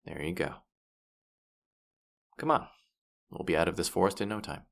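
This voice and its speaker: Man acting as deep, gravelly, teasing demon guide. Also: lively intonation, moderate pace, fairly bright tone, full character voice. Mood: coaxing, guiding. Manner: condescending, playful, exasperated. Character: teasing, boastful male demon guide of the afterlife. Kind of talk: roleplay audio drama, addressing the listener.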